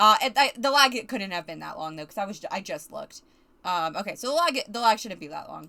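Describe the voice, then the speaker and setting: Very fast and bright, sharp in tone, a woman talks at a fairly high pitch with very wide pitch swings and big swings in loudness. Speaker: video game streamer. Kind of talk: live stream commentary. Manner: soft-spoken; hesitant, many fillers. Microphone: mic moved closer, voice often quiet on recordings.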